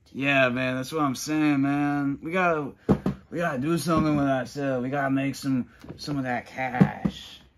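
A man's drawling put-on character voice, fairly high-pitched with fairly even intonation, at a fairly slow pace. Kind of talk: comic overacting. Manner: drawling, laid-back street slang, keeps saying cuz and man.

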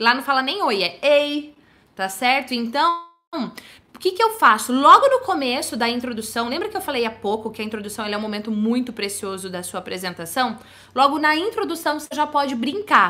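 A woman with a Paraná accent speaks in a raised, projected voice at a high pitch with a playful tone, very wide pitch swings, big swings in loudness and a moderate pace, as faint music plays in the background. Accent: Paraná interior. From Paraná interior, Brazil. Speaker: psychologist and public speaking coach; public speaking coach. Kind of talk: advice Q&A video. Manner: casual, playful. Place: office. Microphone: studio mic.

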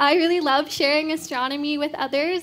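Here is a woman with an American accent. Her voice is high. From US South, Atlanta area; US South. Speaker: astronomy PhD student; presenter. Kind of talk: competition research talk. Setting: stage with live audience. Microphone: headset.

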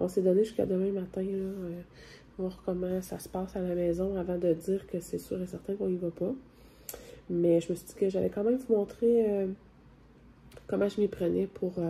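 Speaking with a Quebec accent, a woman sounds somewhat breathy, keeps a moderate pace and fairly even intonation, and takes long, frequent pauses. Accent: Québécois French. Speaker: family vlogger, mother; family vlogger. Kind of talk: casual vlog talk to camera. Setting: outdoors at the bus stop. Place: home room. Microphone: phone near.

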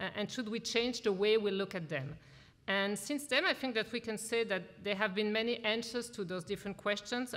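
A woman with a French accent. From France. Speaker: former competition regulator, senior judge. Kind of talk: panel talk. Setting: conference stage with audience. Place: hall. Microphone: podium.

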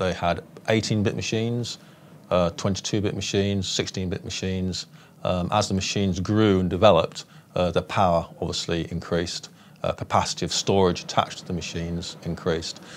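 In a British accent, a man speaks at a moderate pace with a very deep, low pitch. His intonation is fairly even, over light background noise. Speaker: computer bench engineer, museum volunteer. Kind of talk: interview. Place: workshop.

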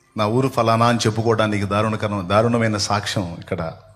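Over music in the background, a man talks at a fairly low pitch with fairly even intonation. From Andhra Pradesh, Guntur district (Chilakaluripet). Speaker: pastor. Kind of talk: testimony.

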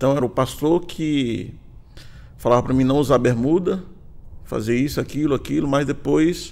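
A man speaks with ordinary pitch variation and a medium pitch. He keeps a moderate pace. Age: 40s. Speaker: pastor; pastor guest. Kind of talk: casual chat. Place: studio. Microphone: studio mic.

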